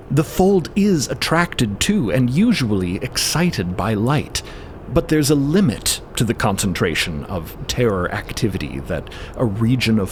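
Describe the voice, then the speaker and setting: A man's voice: fairly low pitch, slight background noise. A man playing a pedantic scientist in an audio drama, explaining things in a precise, academic manner. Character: pedantic male scientist who relishes lecturing, Merlin.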